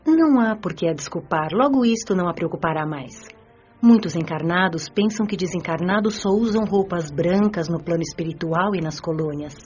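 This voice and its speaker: An actress playing a kind, elegant female spirit teacher in a radio drama, speaking gently. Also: on the low side, moderate pace, highs cut off, natural voice. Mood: gentle. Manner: gentle, explanatory.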